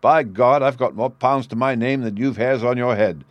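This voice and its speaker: A man voicing a tall, swaggering young male convict who boasts loudly and laughs at his own schemes. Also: mid-range voice, normal speed, no room sound, lo-fi sound, lightly acted. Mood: boastful.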